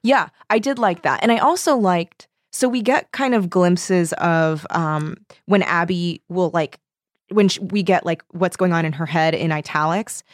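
Lowish-voiced woman in casual book chat. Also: unhurried, no echo, clean studio sound. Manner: informal, slangy, peppered with 'like' and quoted reactions. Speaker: book discussion show co-host.

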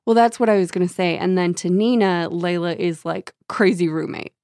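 Gravelly, tired woman chatting about books. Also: lowish voice, fairly even intonation, normal speed, a little mellow, dry recording, clean studio sound. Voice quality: gravelly, husky voice. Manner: informal, blunt, slangy, sweary. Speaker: book discussion show co-host. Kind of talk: casual book discussion.

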